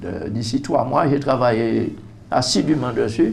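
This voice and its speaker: A man's voice with audible room echo. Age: 80s+. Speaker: fisheries expert. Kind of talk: TV interview. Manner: halting.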